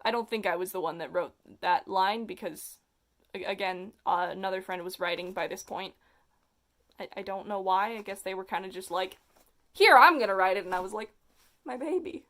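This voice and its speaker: Young vlogger with a feminine voice, comedic reading of their own childhood story, self-mocking, big outbursts. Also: female voice, mid-range voice, steady tone, brisk.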